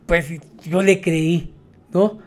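Man, high-pitched, mellow dark tone, rambling storyteller, keeps asking "¿no?". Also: steady tone, drawn-out words. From Mexico. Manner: rambling, tags sentences with "¿no?". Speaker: taxi driver guest. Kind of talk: storytelling interview.

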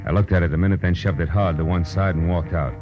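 A low-pitched American private eye played by a male actor talks and narrates in hard-boiled, clipped slang. He is tough and quick with a wisecrack, in the manner of 1940s radio drama. The recording is muffled and old, with music behind him. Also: steady tone, close to an everyday voice. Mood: wry narration.

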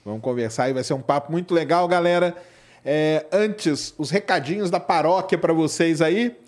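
A Brazilian man with a fairly high voice hosts a live podcast. He speaks casually and with plenty of slang. He often ends phrases with short questions seeking agreement. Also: normal speed. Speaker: podcast host. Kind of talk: casual live-show chat.

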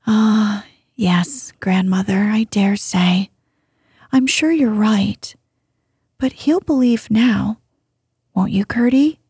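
A woman voicing an eager, earnest young princess girl in a breathy, whispered delivery. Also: mid-range voice, slow pace, long pauses, a little mellow, no room sound, studio quality, full character voice.

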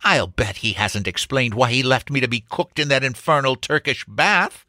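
A blustering baronet from a comic storybook, acted out by a man reading aloud. He exclaims with aristocratic indignation and effusion, his pitch swinging widely upward. The sound is dry. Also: wildly swooping pitch, takes it slowly, pushed and bright, dry recording, heavily acted. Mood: outraged. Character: blustering, red-faced old baronet, indignant then effusive.

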